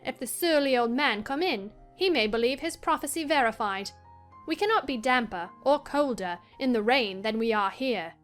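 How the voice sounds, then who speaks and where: A woman reading the part of a headstrong young girl recounting her diary with lively indignation. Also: a little high. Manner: lively, indignant first-person storytelling. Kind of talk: dramatized audiobook reading.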